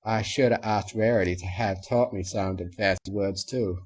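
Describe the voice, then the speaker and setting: A man's voice: lowish voice, fairly even intonation, normal speed, close to an everyday voice. A man voicing a farm mare who hides her country ways behind stiff, put-on politeness, in a storybook reading. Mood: polite. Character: down-to-earth farm mare faking city manners.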